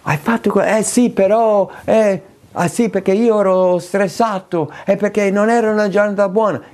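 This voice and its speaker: A preacher playing a stammering excuse-maker. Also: male voice, high-pitched, steady tone, normal speed, a little mellow, pitched above the performer's own voice, close to an everyday voice. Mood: defensive. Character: man making excuses for his sin.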